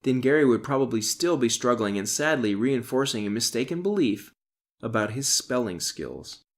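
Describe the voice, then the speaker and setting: A middle-aged man, an author, reads his self-help audiobook in a deliberate, instructional way, stressing key terms. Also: mid-range voice, animated. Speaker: author reading own audiobook.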